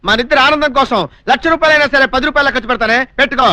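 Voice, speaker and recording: An actor playing an exasperated, sarcastic son-in-law in a film comedy scene. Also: male voice, very high-pitched, very fast, pushed and bright, no echo, full character voice.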